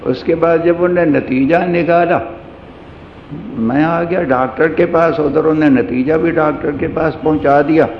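A man's voice: fairly high pitch, fairly even intonation, slight background noise. A man giving a sermon, telling a humorous personal anecdote in a storytelling manner. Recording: echoey hall, dull lo-fi sound.

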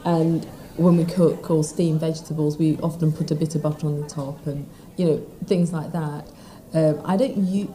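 A woman's voice: sits low, warm tone, a little hiss or hum. A mother answering interview questions thoughtfully, with frequent ums and light laughs.

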